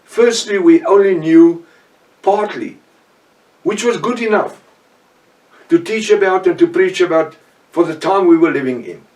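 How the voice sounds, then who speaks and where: An older South African man with an Afrikaans accent, giving an informal, earnest Bible teaching with frequent pauses and restarts. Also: sits high, a little mellow, recorded from a distance, rough recording. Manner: earnest, halting, with many restarts. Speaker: professor and preacher.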